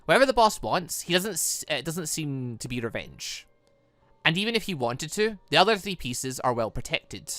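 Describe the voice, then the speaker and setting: A man voicing a calm, teasing, all-knowing warrior mother from a visual novel, telling lore in a patient, measured way. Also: a little high, no room sound. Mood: solemn storytelling.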